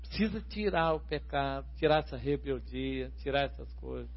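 A man in a casual chat about faith, measured, quoting scripture and explaining it. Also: mid-range voice, lively intonation. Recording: dull lo-fi recording.

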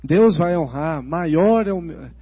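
A man chatting casually about faith, telling stories with quick asides and restarts. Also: on the high side, animated, slightly rough. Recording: dull lo-fi recording.

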